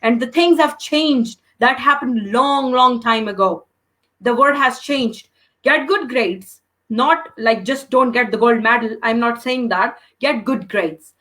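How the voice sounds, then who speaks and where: Brief: young woman, high bright voice, earnest and advising, many fillers. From Pakistan. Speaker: interview guest, master's student. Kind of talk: casual interview answers.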